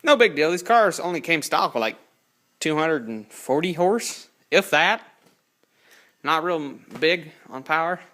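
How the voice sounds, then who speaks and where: Filming on his phone, an eighteen-year-old guy walks through the car he's building in his home garage, speaking plainly, rambling and correcting himself as he goes. His voice sits on the high side, bright and forceful, with lively intonation and a slightly slow pace.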